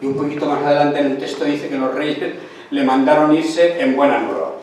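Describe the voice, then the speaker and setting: A man giving a lively, theatrical history lecture, recorded in a lecture hall. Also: a little high, fairly quick, slight background noise. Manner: theatrical storytelling. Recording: echoey hall from far off.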